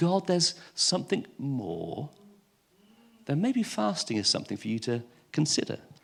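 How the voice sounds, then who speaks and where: This man's voice is fairly high in pitch, with very wide pitch swings. He speaks with a northern English accent. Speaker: church leader, preacher. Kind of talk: sermon. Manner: conversational, halting with repeats.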